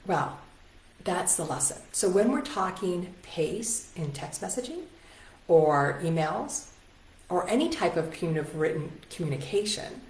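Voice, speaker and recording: Low-voiced woman coach teaching casually. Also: big pitch swings, a little slow, darkish tone. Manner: conversational, full of rhetorical questions and tag "right?". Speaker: presentation skills coach. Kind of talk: casual online teaching talk. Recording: echoey room.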